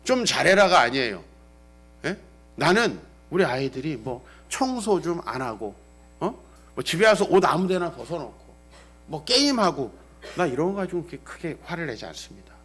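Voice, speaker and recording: Middle-aged male pastor, animated sermon delivery, slightly high voice. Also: moderate pace, slightly rough, soft background music. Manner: lively preaching, acting out dialogue, shifting from loud to hushed.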